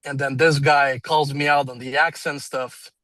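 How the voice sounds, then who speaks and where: A man's voice: mid-range voice, level tone, normal speed, a bit bright, dry recording. Man, twenties, non-native english accent, rambling, self-deprecating, dry sound. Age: 20s. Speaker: salesman and business owner. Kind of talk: casual conversation, storytelling. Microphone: video call.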